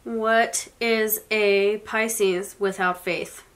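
Sniffly young woman w a cold, talking slow and soft, doing a tarot reading at home. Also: mid-range voice, fairly even intonation. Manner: soft, slow and reflective, with occasional small laughs. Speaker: tarot reader. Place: indoors, in front of a floral blanket.

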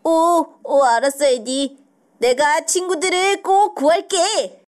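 An earnest, brave little penguin boy acted by a woman, very high-pitched and slow-paced. It is a children's toy cartoon voice. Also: darkish tone. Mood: urgent, earnest.

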